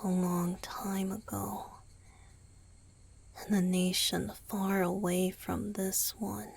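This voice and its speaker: A woman voicing a gentle, youthful male vampire boyfriend in a romantic ASMR roleplay, soft and hesitant. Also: mid-range voice, little pitch movement, takes it slowly, a little hiss or hum. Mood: wistful, confessional. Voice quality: soft, breathy, husky. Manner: hesitant, tender, sighing delivery.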